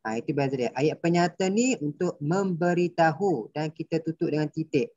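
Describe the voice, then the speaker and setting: A man's voice: fairly high pitch, normal speed, a little mellow, no room sound. Malaysian male teacher, patient and repetitive, online lesson, dry lo-fi sound. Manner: patient, repetitive explaining, quizzing pupils. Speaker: primary school teacher. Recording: dull dry lo-fi recording.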